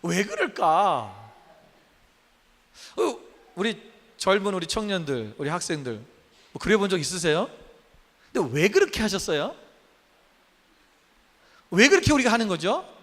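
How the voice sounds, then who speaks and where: A man's voice: high-pitched, very animated, a little slow, pauses often, a bit bright, in a large hall. A man in his fifties, a pastor preaching a sermon in a church, emphatic and full of questions to the congregation. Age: 50s. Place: church sanctuary.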